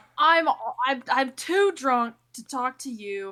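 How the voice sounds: A woman's put-on character voice, high-pitched and at a very slow pace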